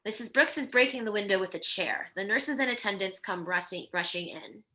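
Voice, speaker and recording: A crisp, bright female voice at an average pitch reads screen directions aloud. It is scripted narration for a table read, moving from one action to the next. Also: lively intonation, a little fast. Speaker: narrator reading stage directions.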